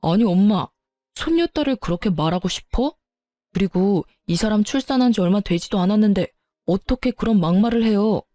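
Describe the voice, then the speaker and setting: A woman's voice: mid-range voice, lively intonation, fairly quick, dark tone, dry recording, lightly acted. A woman voicing a young husband who protests with agitation in a storytelling video. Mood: heated. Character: heated young husband defending his wife.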